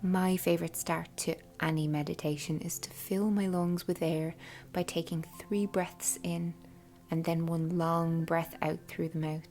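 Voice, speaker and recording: A woman leading a guided meditation in a soft, breathy, half-whispered voice with an unhurried, soothing delivery. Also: on the low side, flat delivery. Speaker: host guiding a meditation. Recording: soft music bed behind voice. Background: quiet background music.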